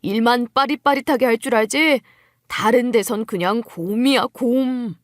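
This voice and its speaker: A scornful, scheming older mother-in-law as a woman narrator acts her out in an audio story. She nags in drawn-out, emphatic phrases, pitched rather high. The recording is close and dry. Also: dry recording, natural voice.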